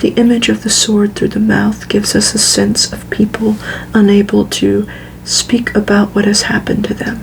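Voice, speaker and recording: A soft-spoken woman against noticeable background noise. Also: moderate pace. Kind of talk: reading out card descriptions.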